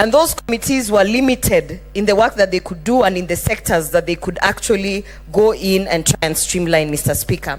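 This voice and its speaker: Over music in the background, a woman talks at a fairly quick pace with hardly any pauses. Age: young. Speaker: senator. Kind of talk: parliamentary speech. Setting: parliament chamber. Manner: formal.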